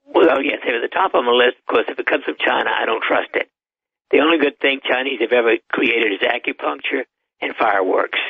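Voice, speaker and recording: A man's voice: medium pitch, a little fast, creaky, slightly rough, dry recording. A man in his eighties, a doctor guest on a radio call-in show, giving matter-of-fact health advice with the odd chuckle. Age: 80s. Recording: tinny phone line.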